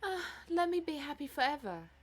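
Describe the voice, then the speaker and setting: Lady reading as a lovesick young girl, high lilting voice, gushy and affectionate, storybook style. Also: sing-song, moderate pace. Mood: pleading. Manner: gushing, breathless exclamations. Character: ardent, dreamy young actress in love, affectionate. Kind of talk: audiobook character voice.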